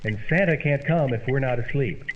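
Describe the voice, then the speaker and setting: A man's voice: medium pitch, a little fast, natural voice. A man playing an exasperated, long-suffering straight-man friend in old-time radio comedy, irritable and sarcastic. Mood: fed up. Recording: noisy, muffled old-time radio sound.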